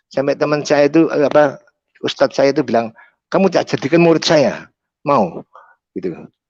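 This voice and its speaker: A man with a fairly high pitch and vocal fry talks at a fairly quick pace, yet with long, frequent pauses and ordinary pitch variation, in a dry, close sound with no echo. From East Java, Surabaya. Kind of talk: testimony.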